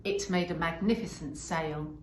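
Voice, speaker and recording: A woman reading a children's picture book aloud with expressive, deliberate delivery. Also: deep voice. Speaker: school staff member reading a picture book. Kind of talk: children's storybook read-aloud. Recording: echoey room with faint noise.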